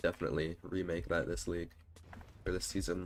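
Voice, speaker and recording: A man with a Canadian accent speaks at a fairly quick pace. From Canada. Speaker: video game streamer. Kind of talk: live stream commentary while gaming. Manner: fast; casual.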